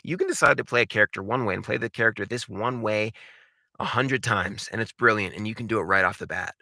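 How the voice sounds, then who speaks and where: A man coaching in an informal instructional style, animated and emphatic, speaking directly to his viewers. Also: on the low side, fast talker, dry recording, studio quality. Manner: animated, emphatic, uses rhetorical questions and repetition. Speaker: voice acting coach and video host. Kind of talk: instructional talk to camera.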